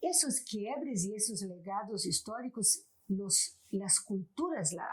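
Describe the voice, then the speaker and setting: Very slowly, a woman speaks at medium pitch with very wide pitch swings. Her voice is somewhat breathy. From Brazil. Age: 70s. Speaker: visual artist. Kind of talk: interview.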